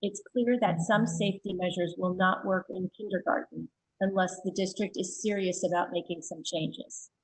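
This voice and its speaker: A woman reading written public comments aloud at a school board meeting, steady and plain, with a few hesitant asides. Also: fairly low pitch, normal speed, breathy edge, rough recording.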